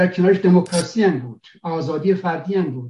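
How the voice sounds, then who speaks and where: A man's dark, mellow voice at a fairly quick pace. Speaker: sociologist and professor. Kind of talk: lecture.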